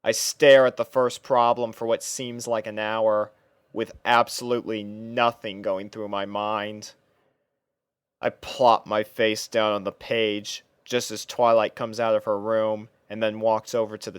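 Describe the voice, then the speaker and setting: A man's voice: on the low side, flat delivery, measured pace, clear, resonant tone, dry recording. A man reading a first-person fan fiction story as narrator, dramatising the character's thoughts.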